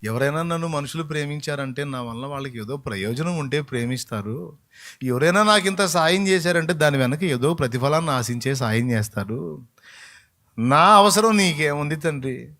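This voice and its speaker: A man's voice: fairly high pitch, animated, moderate pace, sharp tone. Emphatic preaching man. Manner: colloquial, emphatic preaching with acted-out dialogue. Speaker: pastor. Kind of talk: sermon.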